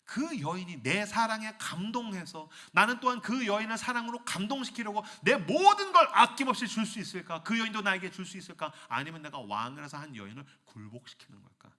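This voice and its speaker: Male preacher, animated delivery, playful, bright voice, church hall. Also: high voice, a little fast, hardly any pauses. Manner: animated, playful, acts out scenes. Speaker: youth retreat preacher. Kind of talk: sermon.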